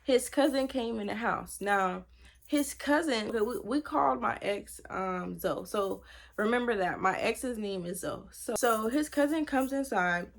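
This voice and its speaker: A woman telling a personal story to her viewers in a casual vlog, animated and slangy, speaking to them directly. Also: a little high, measured pace, vocal fry. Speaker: storytime vlogger.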